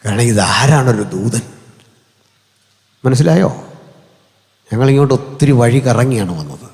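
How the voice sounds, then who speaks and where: A man with a Malayali accent preaching a sermon in a large hall, speaking into a mic through an amplifier, conversational and humorous with sudden high-pitched climbs. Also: animated, measured pace, a little mellow. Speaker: pastor. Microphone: hand or stand mic through an amplifier. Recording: long hall reverb.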